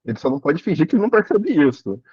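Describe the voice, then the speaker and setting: Husky man musing in a study group. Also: on the high side, big pitch swings, racing, a little mellow, no room sound, dull audio. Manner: reflective, rephrasing often. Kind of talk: casual discussion.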